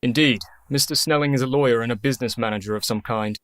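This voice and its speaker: An actor playing a methodical young doctor in a radio play, brisk and matter-of-fact. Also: male voice, mid-range voice, a bit bright, dry recording, clean studio sound, natural voice. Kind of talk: community radio play acting.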